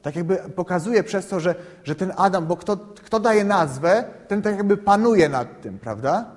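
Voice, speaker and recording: A Bible teacher explains scripture to a group in a halting, conversational style, repeating words as he thinks and often checking in with listeners by asking "right?" His voice is high and expressive, and a long reverb suggests a hall.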